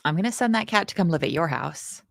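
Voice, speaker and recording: A woman's voice: lowish voice, animated, fast talker, gravelly, no echo, studio quality. A woman from the UK, teaching a casual coding lesson in a playful, chatty, self-deprecating way.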